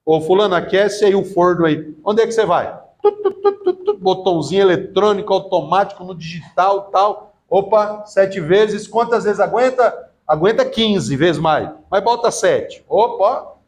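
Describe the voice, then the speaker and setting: A middle-aged man giving a classroom theology lecture, lively and often asking the class questions. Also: high-pitched, unhurried. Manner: lively, asks the class questions and acts out quotes. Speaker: theology teacher.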